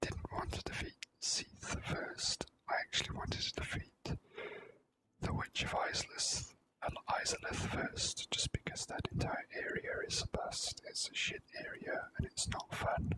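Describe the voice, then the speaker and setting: Slow, whispering gaming ASMR host. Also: poor audio. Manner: unhurried, halting, thinking aloud. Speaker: host, video game player.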